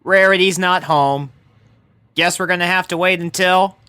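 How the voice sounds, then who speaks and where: A man puts on a high-pitched female cartoon pony with a hot temper. The delivery is bright and forceful, full of exclamations and exasperation. The sound is dry and close. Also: steady tone, moderate pace, smooth, no echo. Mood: resigned. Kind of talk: animated fan fiction character reading.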